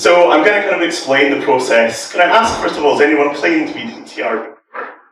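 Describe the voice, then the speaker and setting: A man talks at a fairly quick pace with lively intonation. Audible room echo surrounds his voice. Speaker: conference speaker, games industry tax relief manager. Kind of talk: conference talk. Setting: stage with audience, microphone. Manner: hesitant fillers.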